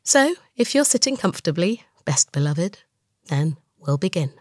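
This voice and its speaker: A woman host, croaky from a chest infection, narrating a scripted science podcast with a storytelling manner. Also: fairly low pitch, normal speed. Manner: storytelling, lively emphasis on lists.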